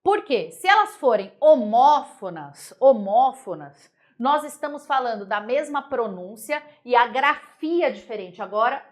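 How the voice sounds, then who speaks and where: A young Brazilian woman teaching a grammar class in a relaxed, chatty way. Her voice sits a little high, and she stays animated as she explains. She keeps stopping to check that everyone is following. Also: unhurried, few pauses. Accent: Brazilian Portuguese. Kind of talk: casual exam-prep grammar lesson.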